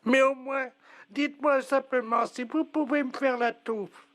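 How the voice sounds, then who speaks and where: A man's voice: very high-pitched, steady tone, a little slow, fairly bright tone. A man voicing an old, hard-of-hearing woman on a prank phone call, plaintive and stubbornly repeating herself. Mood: plaintive, wounded. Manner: insistent, repetitive, wounded.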